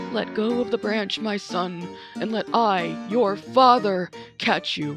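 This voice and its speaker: A woman's booming, put-on character voice at a medium pitch and fairly slow pace, with clear music in the background. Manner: solemn, godlike.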